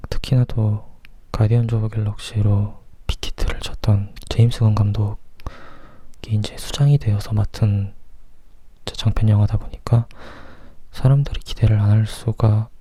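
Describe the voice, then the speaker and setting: A man from South Korea whispering softly and close to the mic in an informal ASMR movie chat, sometimes thinking aloud. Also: on the low side, fairly even intonation, normal speed, husky, no echo. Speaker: movie review host. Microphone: close microphone.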